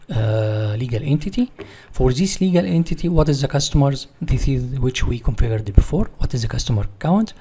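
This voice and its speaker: A man with a mellow, somewhat husky voice walks through software setup as an instructor. He is a non-native English speaker with a didactic manner, often asking a question and then answering it himself. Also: medium pitch. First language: not English. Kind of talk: screen-share software walkthrough, part read from notes.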